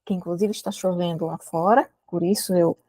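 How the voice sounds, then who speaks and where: A woman's voice: on the low side, fairly even intonation, a little fast, dark tone, no echo. A woman with a Brazilian Portuguese accent teaching a recorded literature lecture to exam students, explaining patiently and often checking in with the class. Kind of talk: recorded prep-course lecture. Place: indoor room with a window, rain outside.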